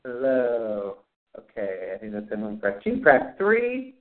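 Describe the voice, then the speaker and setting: A man of ordinary pitch leads a spiritual class over the phone, his voice narrow and tinny as if heard through a handset. He speaks plainly and without hurry, calling on people and guiding a prayer. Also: wildly swooping pitch, a little slow. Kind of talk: teleconference roll call and guided prayer. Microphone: phone call.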